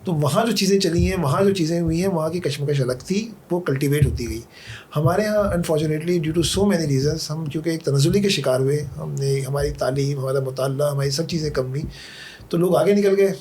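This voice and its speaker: Man, from Karachi, podcast guest, reflective, storytelling, slightly high voice, faint background noise. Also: moderate pace, a little mellow. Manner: thoughtful, tells anecdotes, quotes poetry. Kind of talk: reflective conversational Urdu talk.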